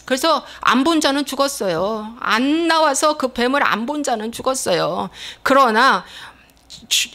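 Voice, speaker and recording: A woman's voice: high voice, pushed and bright. A middle-aged woman pastor preaching a sermon, pressing the listeners with repeated rhetorical questions.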